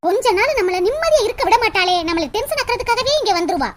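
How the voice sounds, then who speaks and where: An actor voicing a sharp-tongued young wife who scolds and complains with scorn in a cartoon. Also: very high-pitched, lively intonation, noisy background. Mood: scornful. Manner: fast nagging complaints, scornful.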